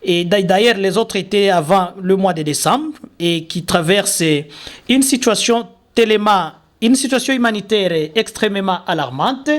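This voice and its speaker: A man, hosting a talk show interview and pausing often with fillers. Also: high-pitched. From Congo. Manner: hesitant, many fillers and restarts. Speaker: host.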